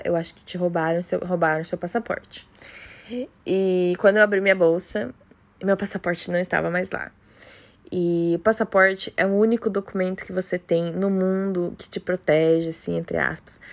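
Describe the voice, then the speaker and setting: A young woman with a Brazilian Portuguese accent, telling a personal story to camera in an emotional, animated way, with frequent asides to the viewer. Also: fairly low pitch. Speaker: vlogger, former au pair.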